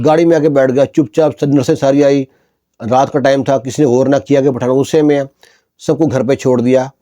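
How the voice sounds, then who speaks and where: A man's voice: medium pitch, steady tone, dark tone. A man telling a story in a casual, colloquial way, repeating himself and leaning on fillers.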